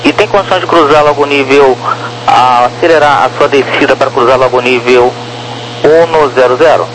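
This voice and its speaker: A man's voice: medium pitch, a little fast. A Brazilian man working as an air traffic controller, giving clipped, repetitive procedural instructions over aviation radio. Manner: directive, repeats key phrases. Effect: aircraft radio transmission. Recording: noisy air-band radio with hum.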